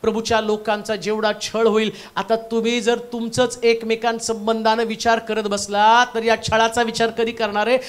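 A man preaching a Pentecostal sermon in a church, moving between loud calls and hushed asides and repeating the reader's words back. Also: high voice, monotone, normal speed, hardly any pauses, smooth. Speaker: pastor.

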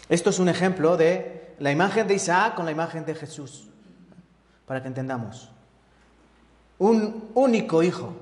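Evangelist in an echoing church hall. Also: male voice, a little high. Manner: lively, asks the congregation many rhetorical questions. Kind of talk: sermon. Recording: echoey reverberant church hall.

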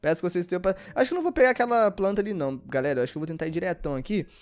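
A sleepy, worn-out man with a Brazilian Portuguese accent, giving let's-play commentary and yelping excitedly at the game. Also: sits high, racing. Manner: excitable, yelps and shouts at the game. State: sleepy and exhausted. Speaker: gaming YouTuber.

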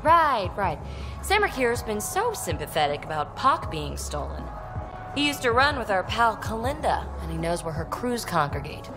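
A woman's voice: medium pitch, very animated, moderate pace, over music, natural voice. A woman playing an impulsive, guarded, wry young alien adventurer in a video game, with breezy, sardonic delivery. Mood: playful, coaxing. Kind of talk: video game dialogue acting.

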